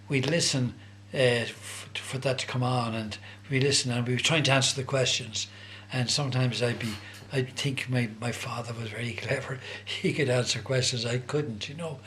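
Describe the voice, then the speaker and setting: An older man speaks in a Dublin accent at a middling pitch. He reminisces casually, like an interviewee in no rush, often hesitating and searching for the right word as he goes. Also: moderate pace, a bit bright, a little hiss or hum. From Dublin, Ireland. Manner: hesitant, conversational, searching for words. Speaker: interviewee recalling his youth.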